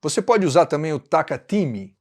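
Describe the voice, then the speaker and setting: A man's voice: on the high side, sing-song, fairly quick, darkish tone. A Brazilian man with a Brazilian Portuguese accent, teaching an online music lesson and explaining rhythm step by step. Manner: explanatory, chants rhythm syllables.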